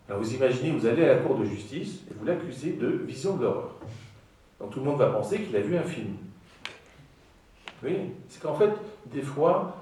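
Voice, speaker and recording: A man gives a lecture in a large auditorium, pressing his points and firing rhetorical questions at the audience. His voice sits at a middle pitch. It rings through the hall, picked up from some distance. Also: mellow. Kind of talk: public lecture. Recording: echoey auditorium from far off.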